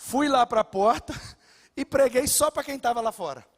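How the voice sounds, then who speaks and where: In a church sanctuary, a male pastor preaches through humorous stories, acting out the dialogue. His voice is very high-pitched and unhurried, trailing a long reverb tail.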